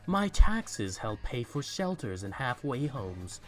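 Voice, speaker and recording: A man's voice: mid-range voice, big pitch swings, slow. A man playing a cold, miserly, irritable company boss in a fan audio drama, curt and scornful.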